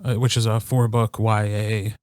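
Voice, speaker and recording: A man chatting casually and reflectively as a podcast co-host, in a halting, conversational way. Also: on the low side, little pitch movement, darkish tone, clear, resonant tone, no room sound, studio quality. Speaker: podcast co-host and audiobook narrator.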